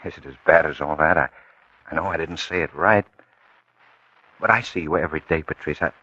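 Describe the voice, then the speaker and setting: A man's voice: extremely low pitch, brisk, husky, dry recording, heavily acted. An actor playing an earnest young man in love, speaking eagerly in 1940s radio drama style. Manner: earnest, eager, warm-hearted. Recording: dull, dry old radio recording with music.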